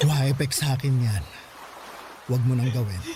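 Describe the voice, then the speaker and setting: A man's voice: mid-range voice, a little fast, darkish tone, a little hiss or hum, natural voice. A Filipino man acting a hurt, resolute gay foster mother in a radio drama, scolding firmly and emphatically. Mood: stern, resigned.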